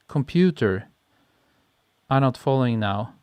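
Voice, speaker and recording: Relaxed man chatting on a live stream. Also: mid-range voice, unhurried, smooth, dry recording. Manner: relaxed, chatty, laughs easily, reads comments aloud. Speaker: photographer hosting a live stream. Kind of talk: casual live-stream chat reading viewer comments. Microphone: podcast mic on a boom arm.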